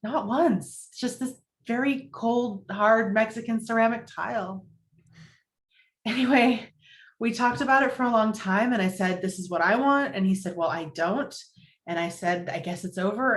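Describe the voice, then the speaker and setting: An actress playing Sally's part in a romantic comedy table read, an earnest and particular newly single woman. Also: on the high side. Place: indoors, virtual video-call table read.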